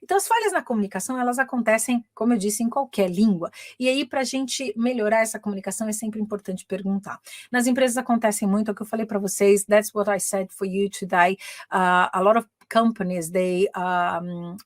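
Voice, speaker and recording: A woman's voice: mid-range voice, a little fast, no echo, clean studio sound. Bilingual woman teaching live. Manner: switches between Portuguese and English, repeats each point in both. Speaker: English teacher and communication coach. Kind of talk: live-streamed bilingual class. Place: her home, living in England.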